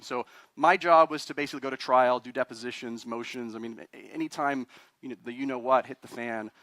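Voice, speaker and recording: A man's voice: mid-range voice, a bit bright, dry recording. A man in his forties from Chile, an attorney giving a live talk to a meetup audience, chatty and self-deprecating, often quizzing the crowd. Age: 40s. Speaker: guest speaker, attorney.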